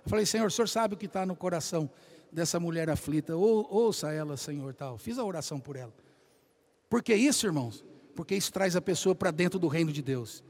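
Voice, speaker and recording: A man preaching a sermon, telling lively stories and calling out to the congregation as brothers. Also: fairly high pitch, fairly quick. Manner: animated storytelling, addresses congregation as brothers.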